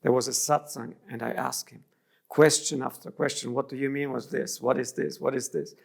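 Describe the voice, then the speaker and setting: A man's voice: mid-range voice, fairly even intonation, normal speed, creaky. A middle-aged man from Germany, an interview guest speaking thoughtfully and restarting phrases mid-sentence. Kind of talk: reflective interview.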